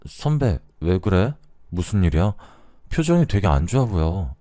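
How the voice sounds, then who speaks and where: A man's voice: deep voice, very animated, normal speed, mellow, no room sound, studio quality. A man voicing an earnest young woman student teacher in a storybook reading, speaking eagerly. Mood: pleading.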